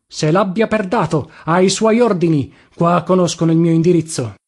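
A haughty, quick-tempered young painter from a storybook, provocative and scornful, his voice pitched a touch high, as a male reader puts him on. He spits his words with open contempt. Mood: shouting threat.

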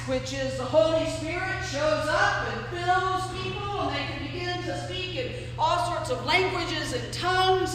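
A woman with a high voice preaches in a folksy, storytelling way, projecting across a church sanctuary with no microphone. Her voice rings with heavy echo and a long hall reverb. A faint murmur of room noise sits underneath. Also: a bit bright. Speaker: guest preacher. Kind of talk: conversational sermon. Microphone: no microphone, picked up from across the room.

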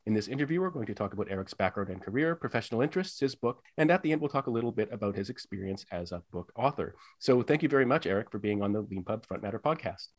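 A man hosting an interview podcast speaks fast in a fairly low voice. He is thoughtful and winds through long sentences as he asks his questions. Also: expressive, dry recording. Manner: quick, thoughtful, talks in long winding sentences. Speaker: podcast host.

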